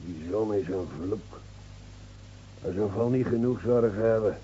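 An actor playing a bitter mountain winegrower in a radio play, grumbling and complaining. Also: male voice, lowish voice, moderate pace, warm tone, natural voice. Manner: grumbling, embittered. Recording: muffled, noisy old radio recording with hum.

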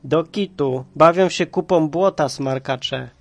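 A man's voice: fairly high pitch, slow, no echo. A man doing a sneering teenage bully. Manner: sneering, loud and mocking. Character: rough teenage bully boy, scornful and threatening.

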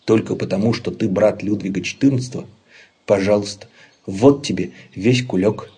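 A man's voice: on the low side, moderate pace, dark tone, breathy edge. A man voicing a friendly young male rabbit who asks kind, plain questions in a storybook.

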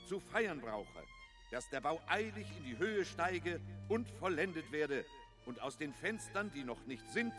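An actor playing a workman who gives a formal, festive speech in a radio play, ceremonial and oratorical. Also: a little high. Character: mason giving a festive, formal building-site toast. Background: music.

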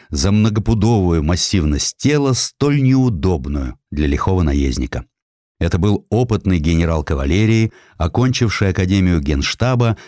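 A man with a deep voice narrates historical prose like a storyteller. His delivery is measured and theatrical, and the sound is dry, with no room around it. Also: darkish tone, no room sound. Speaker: audiobook narrator.

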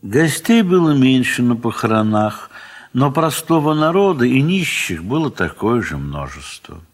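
Male literary narrator, theatrical and measured. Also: medium pitch. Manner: measured, expressive, theatrical phrasing with pauses. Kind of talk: dramatized literary narration, 1970s Soviet audio play. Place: recording studio.

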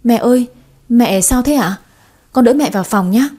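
A woman voicing an anxious young daughter, pleading in a higher voice. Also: quick pace, warm tone, husky. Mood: worried.

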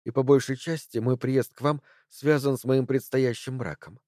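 A man's voice: mid-range voice, fairly even intonation, moderate pace, dark tone, no echo, clean studio sound, close to an everyday voice. A man reading a poised young woman. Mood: composed. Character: composed young woman visitor, poised and clever. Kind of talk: audiobook character voice.

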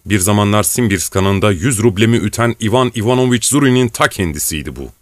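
Low-voiced male audiobook narrator. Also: animated, quick pace, no room sound. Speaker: audiobook reader.

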